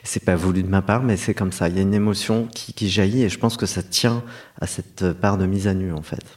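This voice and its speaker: A middle-aged man, a novelist, answering interview questions about his writing in an earnest, reflective way, pausing often with hesitations. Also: sits low, steady tone, a little mellow. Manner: reflective, earnest, speaks of himself at length with frequent hesitations. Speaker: novelist guest. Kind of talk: interview conversation.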